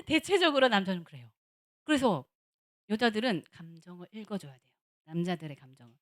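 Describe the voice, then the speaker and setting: A middle-aged woman, a seminary professor, giving a lively lecture on marriage at a church, acting out little dialogues and repeating words for emphasis. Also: mid-range voice, a little fast. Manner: animated, acts out little dialogues of husbands and wives.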